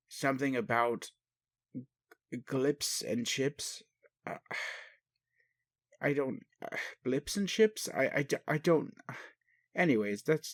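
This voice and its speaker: Guy doing a confused alien caregiver for roleplay audio, gentle n naive, slow halting talk, super dry sound. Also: mid-range voice, no room sound. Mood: flustered. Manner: hesitant, puzzled, halting, sighing. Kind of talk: intimate one-sided roleplay audio acting.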